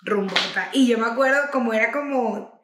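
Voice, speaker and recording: A woman's voice: fairly high pitch, a little fast. A young woman with a Venezuelan accent telling slangy stories in casual podcast chat, acting out quotes as she goes. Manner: lively storytelling, acts out quotes, slangy. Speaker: podcast co-host. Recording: roomy echo.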